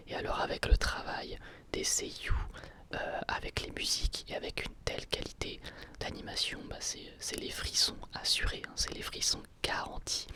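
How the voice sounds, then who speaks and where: A man giving an ASMR review in a breathy, voiceless whisper, enthusiastic, often repeating words as he searches for phrasing. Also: fairly bright tone. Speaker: ASMR video creator reviewing anime.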